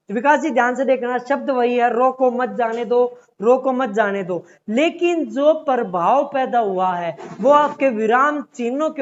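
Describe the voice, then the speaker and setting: A man's voice: very high-pitched, dull audio. A man teaching an exam-prep language class, explaining step by step and repeatedly calling his students "beta".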